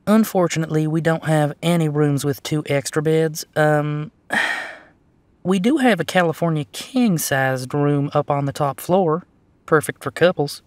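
A woman's voice: low voice, a little slow, darkish tone, no echo. Chatty, coy female front-desk clerk, acted by a woman, polite service patter, audio roleplay, dry sound.

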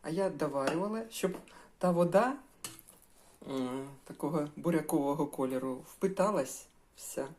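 An older woman chats homely and warm while cooking breakfast, calling her viewers "girls" in this casual cooking vlog. Her voice is low and mellow, and she speaks at a moderate pace.

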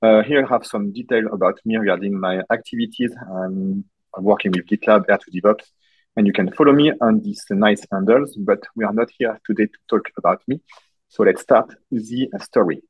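A man from France with a French accent, presenting a conference tech talk over a video call, pausing often with fillers. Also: lowish voice, slightly rough, dry recording. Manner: hesitant, many uh fillers. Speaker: conference speaker. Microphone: video call webcam. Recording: dull dry lo-fi call audio.

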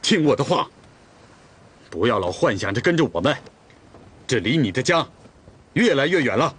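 A man's voice: mid-range voice, big pitch swings, moderate pace, a bit bright, a little hiss or hum. Stern but caring torghut herder guy in a tv costume drama, voice swings all over, scolds then soothes. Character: dutiful young Torghut man, stern but tender. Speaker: Torghut herder tending the khan's horses. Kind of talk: television costume drama dialogue.

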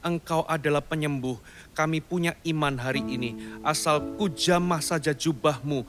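A man's voice: a little high, normal speed. A male pastor giving a short devotional and then leading a fervent healing prayer with commanding declarations. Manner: calm, soft-spoken storytelling. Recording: studio voice-over with faint music behind.

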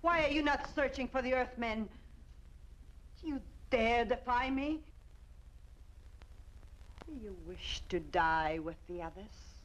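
A woman's voice: fairly high pitch, expressive, takes it slowly, long pauses, poor audio. An actress playing an evil alien queen, commanding and menacing in declamatory 1950s B-movie style. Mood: furious, commanding. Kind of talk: 1950s science fiction B-movie acting. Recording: old film soundtrack with music.

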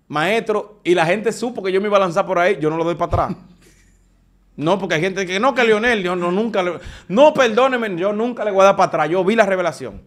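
A man tells his testimony as a preacher. His voice sits a bit high for a man. He talks in an animated, conversational way and often trips into restarts. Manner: animated storytelling with frequent restarts.

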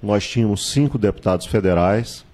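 Low, mellow-voiced man in his sixties. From Salvador, Bahia, Brazil. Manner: measured, reminiscing, frequent hesitations and tag questions. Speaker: political candidate, guest. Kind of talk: studio interview, recounting his life. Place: small TV studio with virtual set. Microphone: handheld mic.

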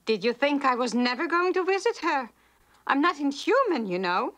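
A woman's voice: high voice, very animated, moderate pace, fairly bright tone. A woman voicing a brusque, defensive, commanding mother in a family cartoon.

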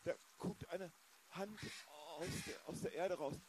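A man's voice: high voice, a little slow, noisy background. A man acting a shaken elderly man in an amateur German radio play, stammering and agitated. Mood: agitated, horrified. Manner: stammering, agitated, repeating himself. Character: flustered, shaken elderly male cemetery visitor.

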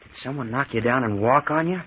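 A man's voice: mid-range voice, a little fast, a bit bright, husky. An actor playing an uneasy, questioning young man in a 1940s radio mystery. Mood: indignant, uneasy. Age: young adult. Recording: dull old radio recording.

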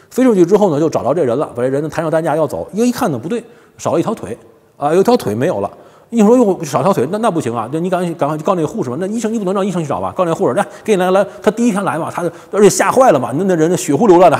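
A man's voice: on the high side, darkish tone, breathy edge, in a large hall. A man hosting a casual monologue, telling rambling stories and often checking in with "you know?". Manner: rambling storytelling, keeps asking "you know?". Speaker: host.

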